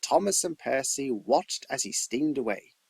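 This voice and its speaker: A man's voice: medium pitch, lively intonation, a little slow, vocal fry, a little mellow, slightly rough, no echo. A man reading scripted storybook narration as an amateur narrator, with theatrical emphasis.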